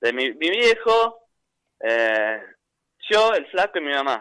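The voice has a bright, sharp tone and swings very widely in pitch. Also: man. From US, South Philadelphia. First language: English (speaking Spanish). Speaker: author. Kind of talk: radio interview.

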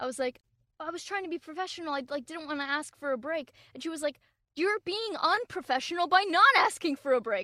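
Projecting her voice, a woman speaks at an extremely high pitch and a fairly quick pace, her bright, sharp tone carrying lively intonation and big swings in loudness. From Mexico. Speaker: voice actor. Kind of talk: casual interview. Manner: filler-heavy, casual.

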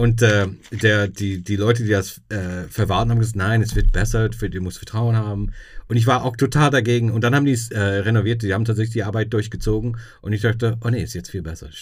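Very fast and somewhat breathy, a man speaks in a fairly low pitch with fairly even intonation. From USA. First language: English (speaking German). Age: 50s. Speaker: stand-up comedian. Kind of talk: casual chat.

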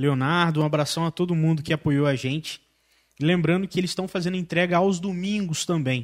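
Speaking in a Brazilian accent, a man with a high pitch talks at a fairly quick pace with fairly even intonation. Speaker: podcast co-host. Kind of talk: casual interview.

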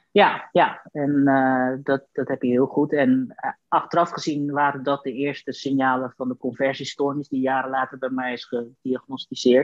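With monotone, flat intonation, a man holds a fairly high pitch. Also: moderate pace. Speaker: guest sharing mental health experience. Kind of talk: casual interview. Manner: halting.

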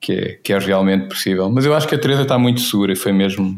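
Rushing at a very fast pace, a man with a European Portuguese accent talks in a fairly low pitch with ordinary pitch variation. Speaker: photographer and videomaker. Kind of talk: casual chat.

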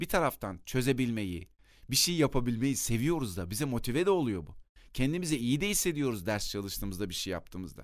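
At a fairly quick pace, a man talks at a medium pitch that makes very wide swings. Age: 40s. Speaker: podcast host. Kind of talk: monologue. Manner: animated.

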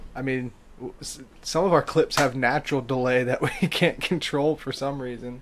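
A man talks in an ordinary speaking voice, pitched medium. His intonation is fairly even, and his pace is moderate. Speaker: podcast co-host. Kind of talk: casual banter, crude humor.

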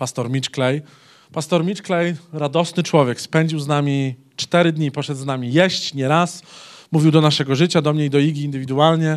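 A man's unremarkable speaking voice, fairly high in pitch, with fairly even intonation at a moderate pace. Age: 30s. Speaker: pastor. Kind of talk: sermon. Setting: church.

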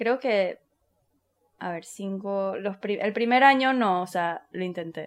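Here a woman speaks at a very slow pace. Her pitch sits in the medium range with ordinary variation. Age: 30s. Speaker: psychologist and teacher, podcast co-host. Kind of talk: casual chat.

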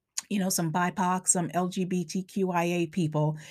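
In a very clean recording with a silent background, a woman with a slight Long Island accent speaks at a medium pitch in an upbeat, enthusiastic tone. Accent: Long Island New York, slight. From Long Island, New York. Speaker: podcast host, interior designer. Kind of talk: podcast monologue with ad read.

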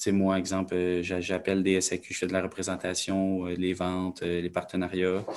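A man talks at a fairly slow pace with a very deep, low pitch, monotone, flat intonation, very even loudness and hardly any pauses. The recording is very clean, with a silent background. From Quebec, Abitibi-Témiscamingue. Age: 20s. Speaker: distillery co-founder, entrepreneur. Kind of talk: casual interview.

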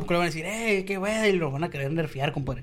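A man speaks with a Mexican accent. His pitch is high, with ordinary variation. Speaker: podcast host. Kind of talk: casual chat. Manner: animated.

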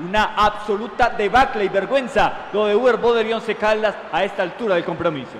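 Noticeable background noise sits behind a high-pitched man with ordinary pitch variation. He talks at a fairly quick pace with hardly any pauses. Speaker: sports radio reporter. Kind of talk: radio sports talk.

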